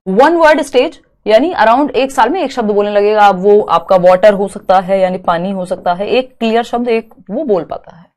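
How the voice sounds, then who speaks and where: A young woman teaching a live online class, explaining step by step and slowly repeating key terms. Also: medium pitch, a little mellow. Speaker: online exam-prep teacher.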